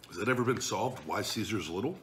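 A man's voice: on the low side, fast talker, noisy background. A man talking with his mouth full while eating on camera, crude and blunt, swearing as he rambles. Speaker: mukbang vlogger. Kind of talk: casual chat while eating.

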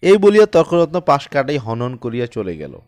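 A man's voice: medium pitch, huge pitch swings, fairly quick, darkish tone. A man reading literary fiction aloud as a scripted audiobook narration.

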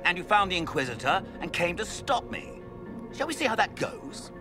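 A pompous villain mage lord, highish voice swooping all over, theatrical drawl, game music behind. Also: male voice, sing-song, normal speed. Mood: smug, mocking. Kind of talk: video game voice acting.

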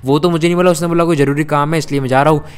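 A man hosting a Hindi gameplay role-play, talking loud and slangy, often scolding. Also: fairly high pitch, fairly even intonation, rapid-fire, clear, resonant tone. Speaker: gaming channel host.

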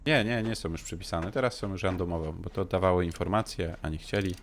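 A man's voice: low voice, a little fast, a little hiss or hum. A man chatting casually while gaming with friends, explaining the rules in a knowing, matter-of-fact way. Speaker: gamer explaining game rules.

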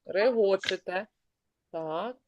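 A woman teaching an online class, brisk and encouraging, calling on pupils by name. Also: mid-range voice, dull audio, a little hiss or hum.

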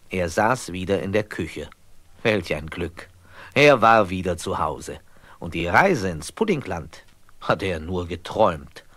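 A man narrating a scripted children's story as an expressive storyteller. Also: fairly low pitch, no room sound.

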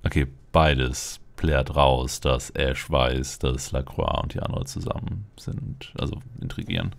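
A man's voice: extremely low pitch, a little slow, creaky. A man hosting a Let's Play, giving casual in-character gameplay commentary and musing playfully aloud. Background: game music.

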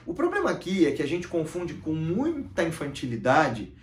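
A man in his thirties from Brazil, hosting his channel with an expressive, gesturing monologue to camera from a room with bookshelves. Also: moderate pace. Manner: expressive, gesturing, shifting volume and pitch often. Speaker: channel host. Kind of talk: animated philosophical monologue to camera. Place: small room with bookshelves, seated in armchair. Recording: roomy echo.

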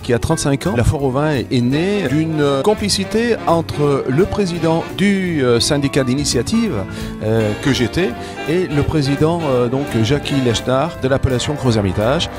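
Older man, hesitant, fillers and restarts, handheld mic, clear music bed underneath. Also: medium pitch. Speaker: festival founder interviewed. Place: indoor event space, stand with banners.

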